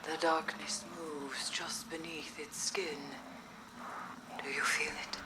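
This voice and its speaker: A woman playing a severe, cryptic mystic in a video game, speaking in a solemn, ominous, measured way. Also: low-pitched, little pitch movement, background noise. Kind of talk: video game dialogue acting. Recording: music behind the voice.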